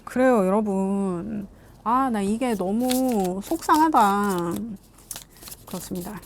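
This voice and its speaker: A woman's voice: medium pitch, slow, a little hiss or hum. A woman giving a casual tarot reading, chatty and emphatic, often speaking straight to her viewers. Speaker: tarot reader.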